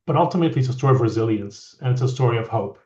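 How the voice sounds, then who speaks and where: A middle-aged man from France, a guest leadership coach, talking in a reflective, halting way with many restarts. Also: medium pitch, lively intonation, a little mellow. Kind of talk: conversational interview. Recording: echoey, dull lo-fi audio.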